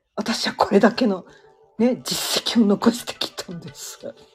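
A strained, fairly high-pitched, female-sounding put-on character voice at a moderate pace. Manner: strained, pained, forced.

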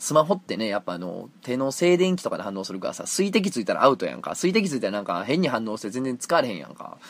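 A man's medium-pitched voice at a very fast pace with hardly any pauses, very wide pitch swings and big swings in loudness, over noticeable background noise. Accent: Kansai. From Kansai, Japan. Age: 30s. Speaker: podcast host and manga artist. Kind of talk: casual solo talk. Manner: animated.

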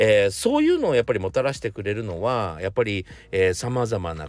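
The recording is very clean, with a silent background. A man talks at a fairly quick pace, his pitch varying in an ordinary way. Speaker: guitarist and online guitar teacher. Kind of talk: solo podcast talk to listeners. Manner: casual, chatty, uses many fillers.

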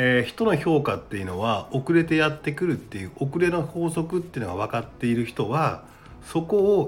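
Lively intonation runs through this man's fairly quick speech. His voice is somewhat breathy. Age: 40s. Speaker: management consultant podcast host. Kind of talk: solo podcast monologue answering listener letter. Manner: frequent filler words, hesitant.

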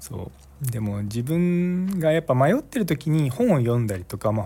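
On a very clean recording with a silent background, a man with a dark, mellow, somewhat breathy tone speaks at a fairly quick pace with very wide pitch swings. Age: 40s. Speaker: anesthesiologist podcaster. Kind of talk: casual solo talk.

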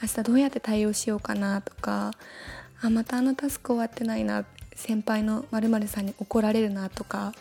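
In a relaxed tone, a woman with a fairly high pitch speaks in a monotone, flat intonation amid noticeable background noise. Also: moderate pace. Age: 20s. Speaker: freelance web designer and podcaster. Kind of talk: casual solo podcast talk. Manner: relaxed, easygoing.

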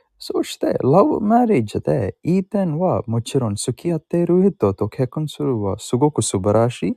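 A man's fairly high-pitched voice with a dark, mellow tone and very wide pitch swings, at a moderate pace, dry and close with no echo. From India. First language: not Japanese (Indian native speaker) (speaking Japanese). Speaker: language exchange partner, office worker. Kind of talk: casual chat. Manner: halting.

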